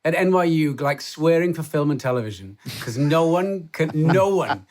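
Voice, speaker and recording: Lively Welsh man, self-mocking guest. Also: on the high side, moderate pace. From Wales. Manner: self-deprecating, storytelling with laughs. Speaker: guest actor. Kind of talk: casual podcast chat.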